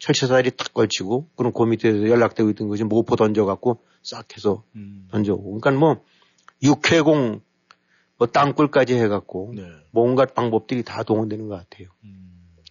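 A man speaks in a plain, everyday voice at a medium pitch and a moderate pace, with ordinary pitch variation and big swings in loudness. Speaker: news commentator. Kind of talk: radio talk show discussion.

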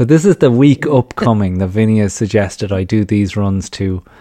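A man with an Irish accent speaks at a moderate pace, his fairly low voice dark and mellow in tone. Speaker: podcast host, amateur runner. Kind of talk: casual chat.

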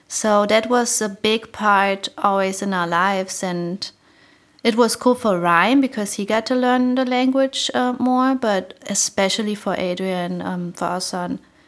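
A woman with a German accent, medium pitch, ordinary pitch variation, and a fairly slow pace. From Germany. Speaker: podcast host. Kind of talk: casual chat.

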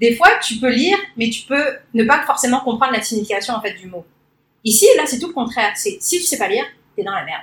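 A woman's high pitch with very wide pitch swings. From Paris, France. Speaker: podcast guest. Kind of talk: casual chat. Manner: hesitant with many fillers.

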